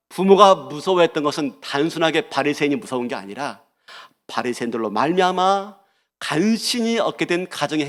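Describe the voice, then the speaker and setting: Male pastor, high and very animated, preaching with rhetorical questions, reverberant church sanctuary. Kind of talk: sermon.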